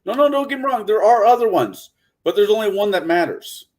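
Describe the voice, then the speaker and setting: A man's voice: high voice, expressive, brisk, darkish tone. A man chatting casually as a guest on a live talk show, asking questions and reacting. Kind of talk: casual chat.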